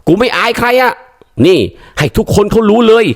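A man's voice: high voice, animated, normal speed. A man voicing a stubborn, sulky older village husband who grumbles in coarse speech. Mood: grumbling.

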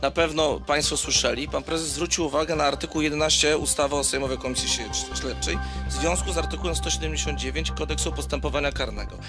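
A man's voice: on the high side, fairly even intonation, fast, music in the background. A man pressing the chair in a heated committee exchange, speaking insistently into a desk microphone. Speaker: committee member. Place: parliamentary committee room.

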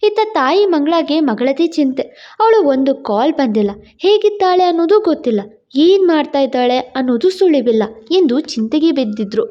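A woman storyteller giving a steady, expressive scripted narration of a romance story. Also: high-pitched, normal speed. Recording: dull lo-fi sound.

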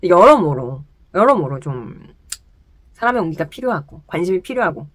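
Lively young woman telling a story. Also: on the low side, normal speed, dry recording, studio quality. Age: young adult. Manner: animated, laughs often, gestures while talking. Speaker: vlogger telling a personal story. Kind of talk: casual storytelling chat. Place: small room indoors with wooden wall. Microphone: camera close in front, sitting.

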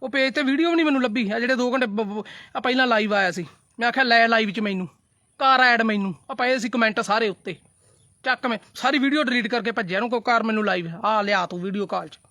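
In clean studio sound with no room reverb, a live streamer fires off a defiant, heated rant in an extremely high, bright, forceful voice, talking fast. He keeps repeating himself, brushes off threats, and addresses his viewers as brothers in this casual live video.

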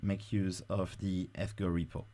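A man talking through a software install on screen in a casual, explanatory way, with frequent fillers. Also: low voice, flat delivery, unhurried. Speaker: software tutorial presenter. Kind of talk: screen-recorded software tutorial.

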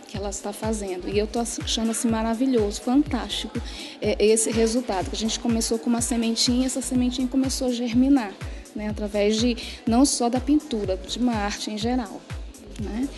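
A middle-aged Brazilian woman teacher speaks into a handheld mic with a fairly high voice, eager and rambling with restarts. Faint music plays behind her at the bazaar stand. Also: mellow. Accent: Brazilian Portuguese. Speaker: art teacher. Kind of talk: interview answer. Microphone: handheld microphone.

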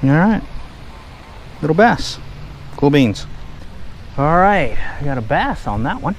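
A man filming himself fly fishing at a park pond, giving casual running commentary with relaxed, muttered asides while he casts, recorded on a head-mounted action camera outdoors. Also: fairly high pitch, slow pace, slight background noise, low-quality recording. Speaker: angler filming his fishing.

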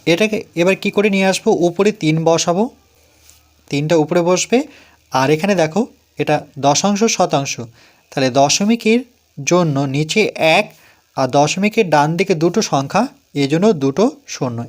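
A man's voice: on the high side, moderate pace. A man with a Bengali accent teaching a primary-school math lesson, explaining each step patiently and reading digits out one by one.

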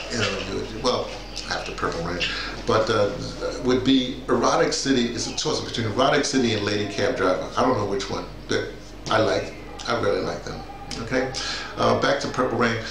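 A middle-aged man chatting casually and unscripted, rambling and halting as he thinks aloud and shares personal memories and opinions. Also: lowish voice, gravelly. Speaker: music commentator sharing personal memories. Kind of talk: casual spoken reminiscence, unscripted personal commentary. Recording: roomy echo, faint background noise.

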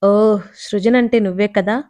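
A woman's voice: mid-range voice, fairly even intonation, unhurried, darkish tone, dry recording, lightly acted. A woman reading the lines of a confident, teasing young husband who talks coolly and pointedly. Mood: cool, mocking. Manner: cool, mocking, pointed.

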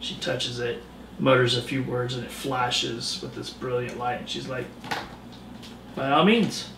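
A man's voice: mid-range voice, monotone, normal speed, gravelly, noisy background. Male game master, loose scene-setting with fillers; mic sits well back from him. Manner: loose descriptive narration with many fillers. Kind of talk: narrating a tabletop game. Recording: roomy distant recording.

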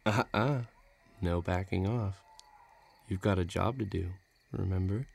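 A man's voice: sits low, unhurried, gravelly, husky, exaggerated voice. A man playing a menacing, bloodthirsty villain who taunts and threatens in an audio roleplay. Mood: taunting, eager. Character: menacing bloodthirsty male villain craving a duel.

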